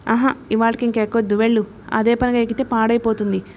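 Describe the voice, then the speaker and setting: A woman's voice: a little high, little pitch movement, quick pace, darkish tone, a little hiss or hum, natural voice. A woman voicing a bossy rich village boy who talks in a curt, dismissive way in an audiobook.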